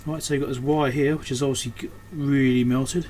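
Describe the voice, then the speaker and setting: A man's voice: mid-range voice, steady tone, brisk, a little mellow. Man thinking aloud, noisy background. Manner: unscripted, thinking aloud, trailing off mid-thought. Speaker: electronics repairer and video host. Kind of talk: casual hands-on repair commentary. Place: indoors at a repair workbench. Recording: clear background noise, room ambience.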